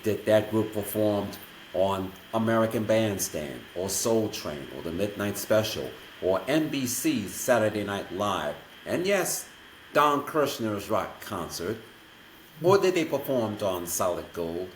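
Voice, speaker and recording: A man's voice: lowish voice, lively intonation, a little slow, a little hiss or hum. A man hosting a podcast interview, explaining a countdown segment in an announcer-like, list-reading way. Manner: announcer-like, reads a long list of questions. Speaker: podcast host. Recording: echoey room.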